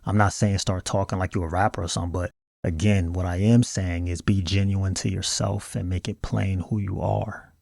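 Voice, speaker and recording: A man's voice: low voice, level tone, moderate pace, vocal fry, darkish tone, no room sound, studio quality. A man with an African American accent delivers scripted video commentary in an earnest, emphatic, colloquial way. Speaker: video host.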